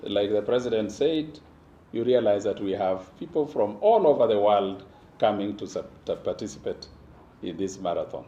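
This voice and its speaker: A hoarse man giving a formal speech at a launch event, pausing often and drawing in the audience. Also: on the low side, mellow, dull audio. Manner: slow, pausing, audience-engaging. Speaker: government official giving a speech. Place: event venue. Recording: echoey room with faint ambience.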